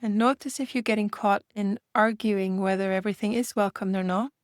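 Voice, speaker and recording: A woman leading a guided meditation in a gentle manner, speaking in unhurried invitations with long pauses. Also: mid-range voice, fairly even intonation, no echo, studio quality.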